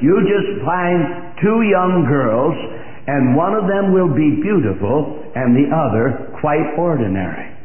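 An older man preaching a sermon with a big, emphatic voice, speaking slowly. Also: on the high side, lively intonation. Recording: echoey hall on a tinny, phone-like old recording.

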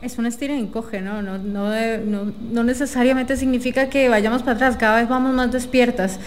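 Woman, 30s, a bit high-pitched, reflective guest speaking softly over faint room noise. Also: fairly even intonation, brisk. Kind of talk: casual interview chat.

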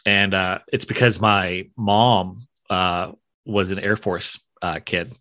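A man from Alabama with a mild Southern accent, hosting a podcast interview in a halting, enthusiastic way. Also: deep voice, fairly even intonation, sharp tone. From South Central Alabama, USA. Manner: halting, many restarts, friendly enthusiasm. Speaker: podcast host. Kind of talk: casual interview chat.

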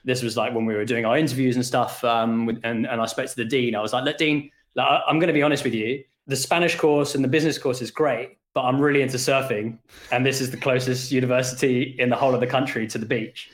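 A man in his thirties with an English accent mixed with some Australian, telling stories in a relaxed, rambling way as a podcast guest. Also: medium pitch, fast. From England. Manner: relaxed, rambling, many fillers and restarts. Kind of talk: casual interview storytelling. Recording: echoey room.

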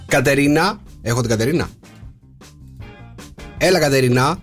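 A man's voice: medium pitch, lively intonation, soft background music. A man hosting a radio morning show, teasing his co-hosts and taking calls. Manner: teasing, playful, announces phone number. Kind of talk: casual radio chat. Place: radio studio. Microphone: studio microphone.

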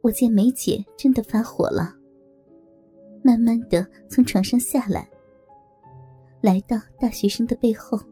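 Woman reading a story slowly, breathy and mellow, quiet music under it. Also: a little high. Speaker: narrator. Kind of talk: first-person audio story narration.

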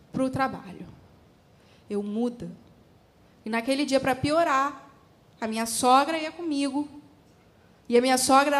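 A woman in her thirties speaks in a high, bright register. She tells a church testimony as a story, acting out her own past words with open emotion. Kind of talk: sermon testimony.

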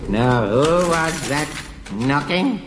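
Doddery, slow old man. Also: a little high, lively intonation. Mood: baffled. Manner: vague, querulous, slow to understand. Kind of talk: 1950s radio comedy acting. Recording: very noisy old radio recording.

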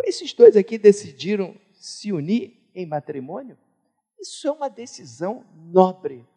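A man from Brazil preaching a sermon, emphatic, swinging between loud and hushed. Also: high-pitched, slightly rough. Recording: reverberant hall.

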